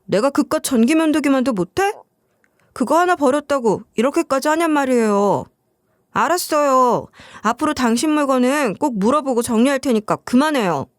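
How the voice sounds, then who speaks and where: A defensive young wife answers back in a plaintive way, as a woman narrator puts her on. The voice is high and moves a lot in pitch. The recording is close and dry. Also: expressive, normal speed, no echo. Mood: hurt.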